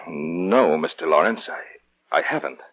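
An actor playing a nervous, guilt-haunted young man in an old-time radio drama, hesitant and pleading, breaking into frantic shouts. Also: deep voice, expressive, measured pace, breathy edge, heavily acted. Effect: old-time radio drama broadcast. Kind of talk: 1940s radio acting. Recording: dull lo-fi old radio recording with music.

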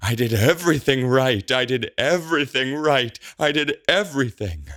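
A man's voice: extremely low pitch, animated, unhurried, dry recording, clean studio sound, full character voice. Man voicing a volatile, theatrical sorceress. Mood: furious. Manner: theatrical, emphatic. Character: menacing, rage-prone sorceress with a volatile, mocking temper.

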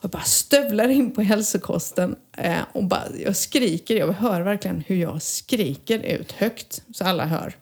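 Lively storytelling woman in her forties. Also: mid-range voice, hardly any pauses. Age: 40s. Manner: lively storyteller who acts out voices. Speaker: podcast co-host. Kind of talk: casual podcast chat.

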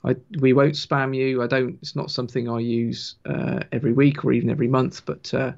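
Male, Wiltshire twang, gravelly creak, informal explainer, slightly muffled lo-fi call sound. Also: mid-range voice, expressive, a little fast, a little mellow. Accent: Wiltshire, English West Country. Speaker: guest author of a railway engineering book. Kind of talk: casual technical explanation on a livestream.

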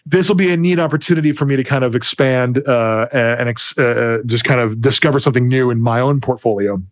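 Interview guest, male, American, medium pitch. Conversational storyteller, earnest and enthusiastic, dry recording. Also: quick pace, no room sound. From Wisconsin, United States. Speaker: interview guest, film and TV producer.

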